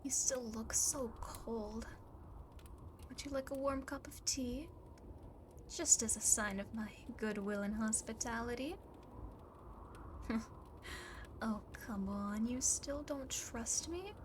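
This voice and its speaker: Over noticeable background noise comes a lonely demon girl, acted by a woman, in an ASMR roleplay. She talks very slowly in a fairly high, soft voice that often sinks to a whisper. Her manner is coaxing, condescending and possessive, with a faint threat underneath. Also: lightly acted. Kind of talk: ASMR roleplay, speaking to the listener.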